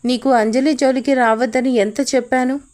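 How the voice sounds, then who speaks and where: A woman voicing a furious young man who shouts rough threats in an audio story. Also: very high-pitched, fairly even intonation, moderate pace. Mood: enraged.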